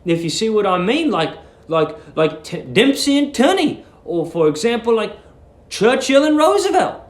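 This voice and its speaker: A man's voice: sits high, very animated, moderate pace, voice pushed up. A man playing an earnest, polite seventeen-year-old lodger in a story reading, puzzled and hesitantly groping for words. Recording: roomy echo.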